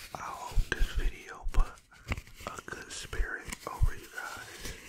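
Whispering and breathy, a soft-spoken man talks at a fairly slow pace. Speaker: ASMR creator. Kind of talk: soft ASMR talk to viewers. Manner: soft, breathy ASMR whisper close to mic. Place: home room. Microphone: studio mic.

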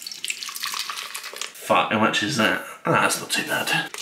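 A voice with an English accent comes through over noticeable background noise. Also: man. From England. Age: 20s. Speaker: YouTube drink reviewer. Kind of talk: casual comedic review monologue. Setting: home video recording on camera.

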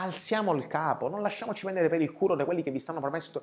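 Ordinary pitch variation marks this man's speech. He talks at a very fast pace. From Sicily, Palermo; Sicily. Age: 20s. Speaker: political candidate; candidate. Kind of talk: interview. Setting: studio. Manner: animated. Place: studio. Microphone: lapel.

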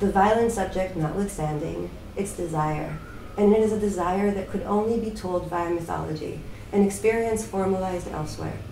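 Noticeable noise sits in the background. A woman speaks at a medium pitch. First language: not English. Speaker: art writer and editor. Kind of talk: lecture. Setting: stage with audience. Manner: animated.

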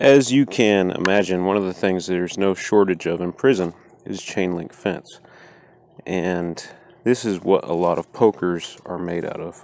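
In a dry recording with no echo and light background noise, a man talks at a moderate pace, his very deep, low pitch showing ordinary variation. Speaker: former prison inmate demonstrating weapons. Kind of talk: tutorial. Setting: at home, quarantined. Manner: casual. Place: garden. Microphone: phone near.

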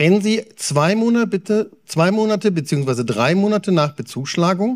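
Speech comes at a moderate pace with lively intonation. Behind it, the background stays quiet. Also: man. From Rhineland, Germany (Bonn); Rhineland, Germany. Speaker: industry association representative; conference speaker. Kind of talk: conference talk. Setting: stage with audience. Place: hall. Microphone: handheld.

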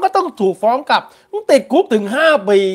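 A man speaks loudly at an extremely high pitch. The background is quiet. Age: 50s. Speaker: lawyer and online show host; lawyer, online show host. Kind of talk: casual livestream talk to viewers. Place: home room. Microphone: lapel.

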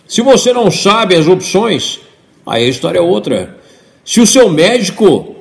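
Lively intonation carries a man's moderately paced speech against a quiet background. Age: 60s. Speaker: fitness and steroid YouTuber; steroid YouTuber. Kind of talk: casual vlog talk to viewers. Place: home room. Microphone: phone near.

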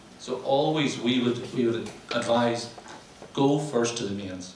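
A man's voice with ordinary pitch variation, audible room echo and light background noise. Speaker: presenter. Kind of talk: conference presentation. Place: hall. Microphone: podium.

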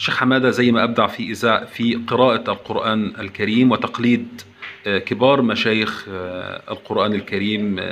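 Over noticeable background noise, a man speaks fairly slowly in a flat monotone. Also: medium pitch for a man. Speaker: reporter. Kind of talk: news report intro.

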